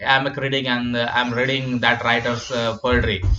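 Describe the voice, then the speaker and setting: In a room with audible echo, a man with a Marathi Indian accent speaks at a moderate pace and a medium pitch in a bright, sharp tone. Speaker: literature lecturer. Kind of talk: lecture. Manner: halting, many fillers.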